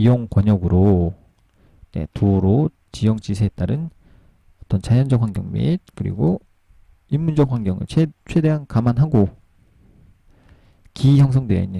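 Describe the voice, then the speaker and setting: A man's somewhat breathy voice, medium in pitch and dark and mellow, with lively intonation at a moderate pace and a dry, close sound with no echo. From Gyeongsang, South Korea. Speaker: real estate agent YouTuber. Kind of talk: casual storytelling; reading aloud with commentary. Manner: halting, self-correcting.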